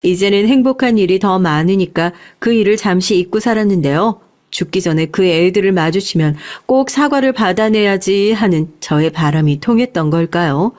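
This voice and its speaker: A woman's voice: mid-range voice, a little mellow. Woman narrating a confessional first-person story.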